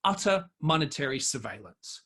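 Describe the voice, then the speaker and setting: A man's voice: mid-range voice, very animated, normal speed, pushed and bright, slightly rough. Emphatic man giving expert opinion. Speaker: guest crypto expert. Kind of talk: opinionated interview commentary.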